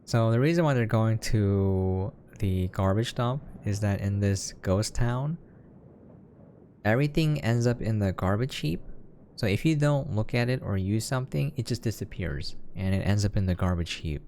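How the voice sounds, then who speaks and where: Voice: mid-range voice, animated, normal speed, dark tone, slight background noise. A person giving casual gameplay commentary, explaining and musing aloud in an informal way. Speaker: game commentator. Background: game music.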